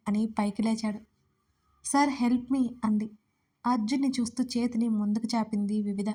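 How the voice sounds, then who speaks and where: A woman's voice: fairly high pitch, darkish tone. A woman narrating a romantic story and reading both lovers' lines herself. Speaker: writer and narrator.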